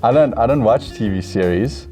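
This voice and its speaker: A man's voice: medium pitch, lively intonation, normal speed, mellow, soft background music. A South African man hosting a game show in a casual, easygoing, chatty way.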